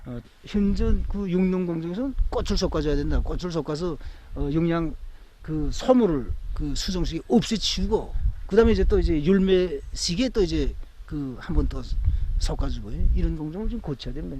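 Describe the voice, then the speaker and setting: A man's voice: high voice, dark tone. A man with a North Korean accent giving an unscripted explanation as an interviewed farm worker, recorded on location with noise. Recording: noisy on-location news recording.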